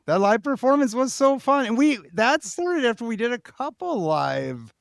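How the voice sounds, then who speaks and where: A man's voice: very high voice, big pitch swings, moderate pace, gravelly, dry recording. A man hosting a podcast interview in a casual, chatty way, thinking aloud as he goes. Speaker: podcast host.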